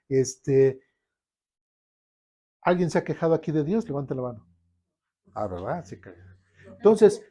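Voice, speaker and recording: A man preaching a sermon, asking the congregation questions and acting out people's complaints. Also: on the high side. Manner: animated, asks the congregation questions, acts out complaints.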